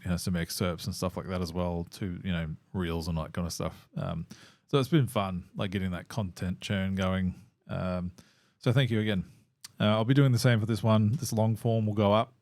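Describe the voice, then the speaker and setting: Hoarse guy, lowish voice, dry close sound, rambling podcast host, lots of ums and restarts. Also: darkish tone, no echo. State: hoarse, losing his voice. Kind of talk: casual solo podcast chat. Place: home.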